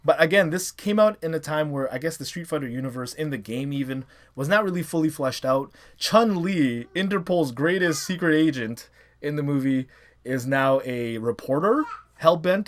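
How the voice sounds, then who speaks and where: A man's voice: a little high, normal speed. A man hosting a casual movie review vlog, talking enthusiastically and rambling a little. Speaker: host.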